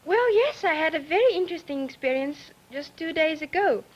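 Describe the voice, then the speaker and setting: Teen woman, South African accent, high and earnest. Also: lively intonation, a little fast, highs cut off. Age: late teens. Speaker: student panelist.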